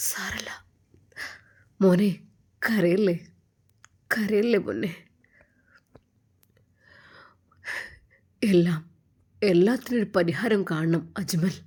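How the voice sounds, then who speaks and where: A woman's voice: medium pitch, slow, pauses often, darkish tone, husky. A woman voicing a kind, devout older Arab woman who prays, pleads and comforts in a motherly way.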